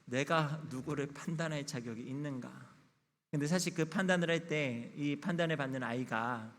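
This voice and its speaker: A man's voice: a little high, moderate pace, fairly bright tone. A pastor in his thirties giving a candid, confessional sermon in a church sanctuary. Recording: long church reverb.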